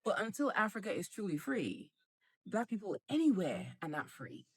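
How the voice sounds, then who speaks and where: A middle-aged woman from Nigeria with an American accent, a guest chatting in an interview, animated and quick to laugh. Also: mid-range voice, slightly rough, no echo. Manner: animated, laughs often, repeats words when starting. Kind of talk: casual interview conversation.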